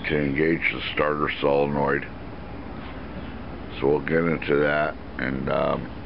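Over noticeable background noise, a man speaks at a fairly slow pace in a very deep, low pitch with monotone, flat intonation. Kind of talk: tutorial. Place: garden. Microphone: phone near.

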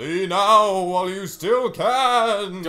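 A man does a high-pitched, put-on character voice. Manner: spooky, eerie warning.

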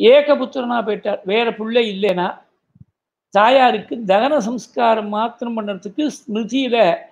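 The man speaks at an extremely high pitch with ordinary pitch variation. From Tamil Nadu, India. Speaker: religious discourse speaker; speaker. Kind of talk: religious discourse. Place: home room.

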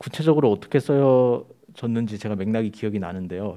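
Against a quiet background, a man with a dark, mellow tone speaks at a fairly low pitch with ordinary pitch variation. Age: young. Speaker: playwright. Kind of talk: talk to a live audience. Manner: halting. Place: stage. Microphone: studio mic.

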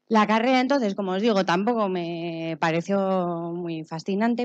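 Woman's medium-pitched voice with lively intonation at a moderate pace, dry and echo-free, over a quiet background. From Navarre, Spain (Pamplona); Navarre, Spain. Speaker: computational chemist. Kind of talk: short talk. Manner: halting. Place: stage.

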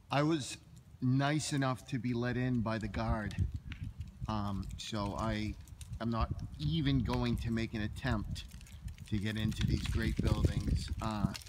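At a fairly slow pace, the speaker leaves long, frequent pauses over noticeable background noise. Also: man, ordinary pitch variation. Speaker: urban explorer vlogger. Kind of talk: casual vlog chat. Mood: amazed, enthusiastic. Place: open country. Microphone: phone near.

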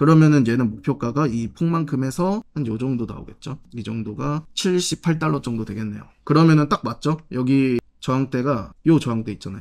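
A man with a normal speaking voice talks at a moderate pace and medium pitch, with ordinary pitch variation and hardly any pauses. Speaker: crypto market analyst. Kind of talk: chart analysis commentary. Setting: studio live stream. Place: studio. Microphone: studio mic.

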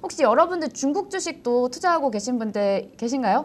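Very wide pitch swings mark this woman's speech. She talks at a moderate pace. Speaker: live stream finance host. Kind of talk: live stream market briefing. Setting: live online stream with chat.

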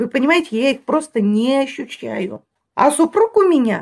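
Her high pitch moves in very wide swings as this woman talks over a quiet background. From Russia. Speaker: kindergarten worker giving testimonial. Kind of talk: video testimonial. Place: home room. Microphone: phone near.

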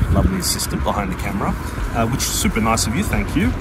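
A man is speaking with music in the background. The sound is dry, with no echo. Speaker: food vlogger. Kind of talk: casual vlog chat. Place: street. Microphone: phone near.

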